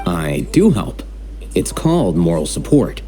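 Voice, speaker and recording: An actor playing a dry, aloof young male scholar in a video game, talking in a terse, deadpan way. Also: sits low, a little slow, faint music behind.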